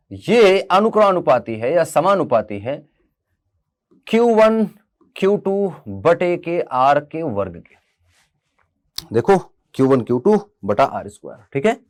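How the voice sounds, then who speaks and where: A man with a fairly high voice gives a classroom physics lesson. He explains step by step, with a north Indian Hindi accent. He keeps asking his students questions and calls them "beta". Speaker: physics teacher. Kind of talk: classroom lecture.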